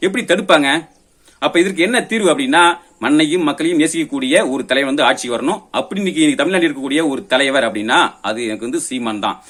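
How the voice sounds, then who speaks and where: Man, rather high voice, very quick delivery, political commentary, accusatory questioning. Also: animated, a bit bright. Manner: confrontational, accusatory, full of pointed rhetorical questions. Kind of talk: political monologue rebutting an opponent.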